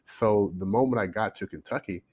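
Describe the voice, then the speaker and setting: Male podcast guest, 40s, from Canada, low-pitched, chatty storyteller who stumbles and restarts. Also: brisk, a little mellow, breathy edge. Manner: talkative, storytelling with restarts and repeated words. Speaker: guest, coach. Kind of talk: casual interview talk. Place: home in China, remote call.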